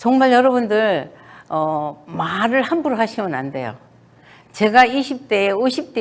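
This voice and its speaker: The speaker talks at a fairly slow pace, with very wide pitch swings. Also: woman. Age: 70s. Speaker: network marketing business leader, former midwife. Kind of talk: motivational testimony speech.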